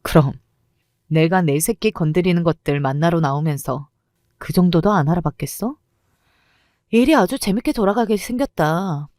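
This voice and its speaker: A woman's voice: fairly low pitch, moderate pace, a little mellow, dry recording, clean studio sound, natural voice. A woman voicing a furious mother who cuts down her old school bully in a cold, cutting way. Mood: cold fury.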